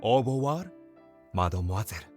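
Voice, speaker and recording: An actor playing a gentle, courteous young male amusement park director in a Japanese visual novel, with a soft voice. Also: fairly low pitch, lively intonation, racing, soft background music, lightly acted. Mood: courteous, inviting.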